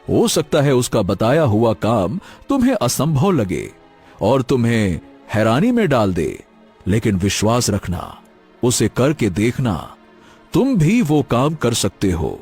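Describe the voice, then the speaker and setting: An actor voicing a wise, mysterious old hermit sage in a cartoon story, speaking calmly and soothingly. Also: male voice, medium pitch, breathy edge, faint music behind, full character voice. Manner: calm, soothing, measured.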